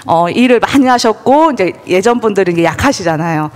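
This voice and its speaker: Animated woman testifying in a reverberant church. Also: mid-range voice, fairly quick. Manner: animated storytelling, acting out quoted voices. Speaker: church member giving testimony. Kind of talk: personal testimony at a church service. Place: church sanctuary.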